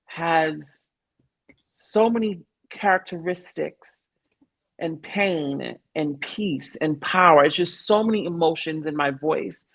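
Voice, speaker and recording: A woman. She talks as a guest in an interview. She tells her story in an animated, reflective way, and laughs often. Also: low voice, creaky. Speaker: guest, opera singer. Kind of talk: conversational interview.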